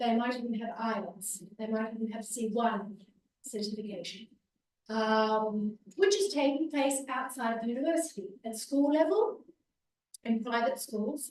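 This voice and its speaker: A woman with an Australian accent, fairly high pitch and ordinary pitch variation, at a fairly slow pace. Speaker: university language teacher. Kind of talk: conference presentation. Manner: hesitant with fillers.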